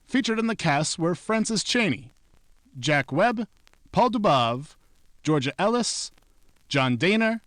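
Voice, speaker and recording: Casting: man as polished old-time network announcer, high-pitched and swooping, dry sound. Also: no echo. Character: polished, enthusiastic male 1940s network radio announcer. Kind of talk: 1940s radio announcing.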